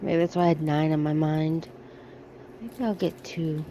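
Middle-aged American woman, casual shopping vlogger, mellow tone, chatty and offhand, phone mic with faint store ambience. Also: deep voice, normal speed, a little hiss or hum. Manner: chatty, thinking aloud while browsing. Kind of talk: casual shop-with-me vlog. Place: large discount store aisles. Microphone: handheld phone camera.

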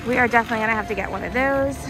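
Casting: young American woman, high voice, gushing casual shop-along vlogger, music underneath. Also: rapid-fire. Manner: enthusiastic, gushing over items. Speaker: shopping vlogger. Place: inside a discount retail store. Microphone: handheld camera or phone, held by the speaker.

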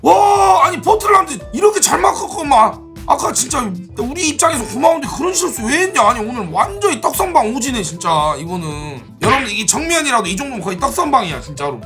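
A man live-streaming a football watch-along, blunt and excitable, yelling and swearing at the plays. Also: very high-pitched, quick pace, few pauses, over music. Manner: excitable, shouts and yells at plays.

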